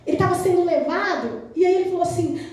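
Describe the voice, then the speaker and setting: A Brazilian woman preacher delivering a sermon, telling stories with lively acted-out dialogue. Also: extremely high pitch, quick pace, soft background music. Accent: Brazilian Portuguese. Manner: animated storytelling, acting out quoted dialogue. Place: church hall. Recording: very echoey church hall, mic at a distance.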